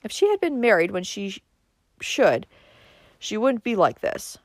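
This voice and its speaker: A woman's voice: medium pitch, very animated, unhurried, dry recording, voice pushed up. A woman voicing an angry, blustering older man from a storybook, snorting and growling with emphatic scorn. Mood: blustering, domineering.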